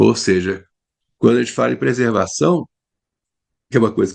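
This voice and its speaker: A man speaks at a fairly quick clip with lively intonation and a fairly low pitch. His voice carries vocal fry, and the sound is dry and close with no echo. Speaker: heritage official and lecturer. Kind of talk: lecture.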